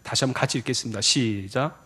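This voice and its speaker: A man's voice: mid-range voice, quick pace, pushed and bright, husky. A male pastor preaching a sermon in a church, asking the congregation questions. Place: church sanctuary.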